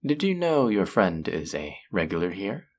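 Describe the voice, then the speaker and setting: A man voicing a flirty, possessive demon casino worker in a roleplay audio drama, teasing and taunting with seductive, drawn-out phrasing. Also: deep voice, very animated. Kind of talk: scripted roleplay audio drama addressed to the listener.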